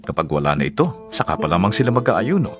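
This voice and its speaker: A male actor playing a calm, authoritative, compassionate teacher in an audio Bible drama. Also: low voice, quick pace, over music. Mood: patient explaining.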